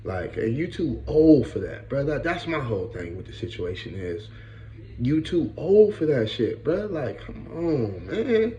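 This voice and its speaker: A man's voice: medium pitch, sing-song, measured pace, mellow, echoey room, dull audio, a little hiss or hum. A man in his late thirties giving blunt, profane casual commentary and often repeating "bro" and "you know what I'm saying.". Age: 30s. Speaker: podcast host.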